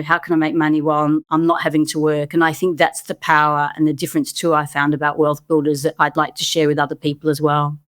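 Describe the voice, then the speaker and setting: A middle-aged woman from Australia with an Australian accent, talking earnestly as an interview guest and often restarting her words. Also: sits low. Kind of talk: conversational interview.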